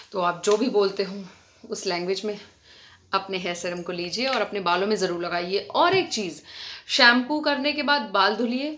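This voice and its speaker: A woman from India giving a casual, chatty hair-care tutorial at home, talking straight to her viewers as friends. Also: mid-range voice. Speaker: beauty vlogger. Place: indoors at home, fan switched off.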